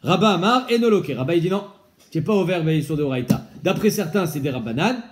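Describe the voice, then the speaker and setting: A man with a fairly high voice, leading a casual Talmud study session. He explains lively and keeps asking his student questions, with Hebrew and Aramaic terms sprinkled through his talk. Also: fast talker. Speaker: Talmud teacher.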